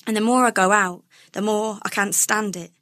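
A woman's voice: mid-range voice, fairly even intonation, moderate pace, a bit bright, dry recording, clean studio sound. A young woman performing rhyming spoken word poetry in an emphatic, indignant, cadenced delivery.

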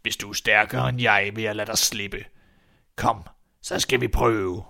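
A man voicing a huge, ancient white-bearded man in a storybook reading, threatening in slow, heavy words. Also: lowish voice, fairly even intonation, gravelly, pushed and bright. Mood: challenging.

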